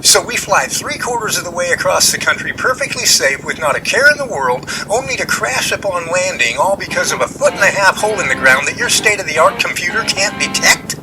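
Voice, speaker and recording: A man's voice: sits high, very animated, fairly quick, hardly any pauses, background noise. A man playing an impatient, wisecracking, folksy passenger in an amateur radio drama, complaining with sarcasm. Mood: sarcastic, exasperated.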